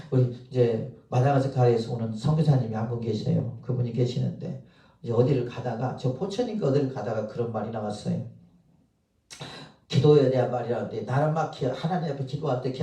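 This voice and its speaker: A man's voice: mid-range voice, dark tone. A man preaching a sermon as pastor, telling stories and acting out the people he quotes, chuckling now and then. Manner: storytelling, acts out quoted voices, chuckles. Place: church sanctuary. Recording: echoey, from far off in a church hall.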